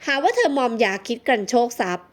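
A woman's voice: fairly high pitch, a little fast. Woman narrating an audio novel. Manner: even, polite storytelling delivery.

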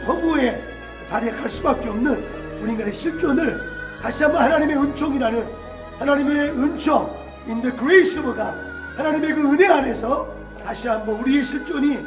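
High-voiced pastor over a PA system. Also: male voice. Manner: preachy, frequent drawn-out "ah" fillers. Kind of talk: church announcement and prayer. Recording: echoey church hall with music.

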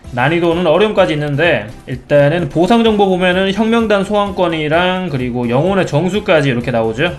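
A man giving casual mobile game commentary as a streamer, reacting aloud and asking himself questions as he plays. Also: fairly high pitch. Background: game music.

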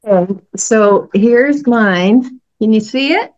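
A woman's voice: on the high side, takes it slowly, a little mellow, dull audio. An older woman chatting casually and self-deprecatingly on a video call in a giggly manner.

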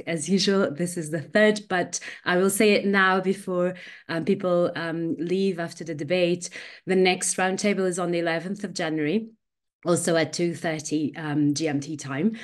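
A woman's voice: lowish voice, fairly even intonation, moderate pace. A woman in her forties moderating an online roundtable from a home study, speaking in a friendly way with frequent ums. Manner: friendly, uses filler "um". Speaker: panel moderator and lecturer. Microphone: earphones on video call.

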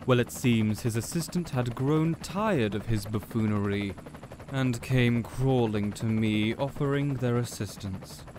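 Smug male villain mastermind played by a man, cold, sneering, unhurried theatrical delivery for audio roleplay, noisy background. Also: mid-range voice, natural voice. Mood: smug, mocking. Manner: slow, sneering, theatrical monologue.

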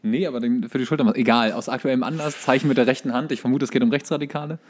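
A man's voice: mid-range voice, steady tone, rapid-fire. A man co-hosting a comedy podcast, chatting casually and flippantly with offhand jokes. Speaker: podcast co-host.

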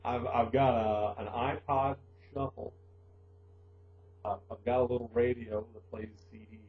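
A middle-aged man hosting a casual news lesson for English learners, joking sarcastically and pausing to explain words. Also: mid-range voice, steady tone, echoey room. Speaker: host of an online English lesson show. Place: small room at a desk. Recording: muffled, noisy webcam audio with hum.

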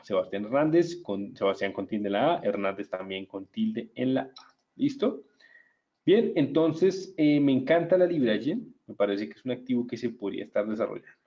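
A man's voice: mid-range voice, lively intonation, moderate pace, muffled recording. A man presenting a live market analysis webinar, chatty and upbeat, talking straight to his viewers.

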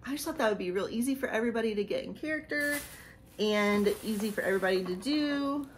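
A woman in her thirties chatting casually in a haul vlog from a small room, rambling and laughing, a little hoarse from losing her voice. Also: fairly high pitch, expressive, fast, background noise. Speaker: vlogger showing a haul. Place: small decorated room indoors.

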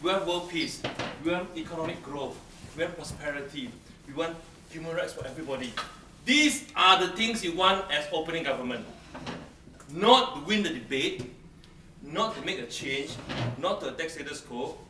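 A middle-aged man from Singapore, giving a brisk classroom lecture on debating, teasing students and repeating his key points. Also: on the high side, lively intonation. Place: large brick-walled seminar room. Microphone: far camera, no close mic. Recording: roomy, distant camera audio with room noise.

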